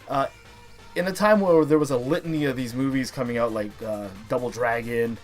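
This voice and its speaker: A man in his thirties hosting a casual, chatty video countdown, talking in an animated, emphatic way with playful hype. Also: mid-range voice, a little fast, faint music behind. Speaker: host of a top three video series.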